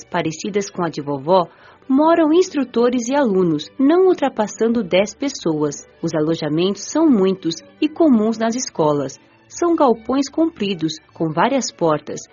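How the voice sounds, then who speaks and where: A woman's voice: medium pitch, darkish tone, husky. A woman with a Brazilian accent reading scripted first-person narration for an audiobook. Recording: muffled lo-fi audio with music.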